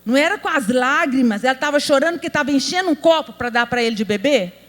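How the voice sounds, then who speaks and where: High-voiced woman pastor preaching in a hall. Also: lively intonation, fast talker, fairly bright tone. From Brazil. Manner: emphatic, rhetorical questions to the audience. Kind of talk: sermon. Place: large convention hall. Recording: hall reverb with mains hum.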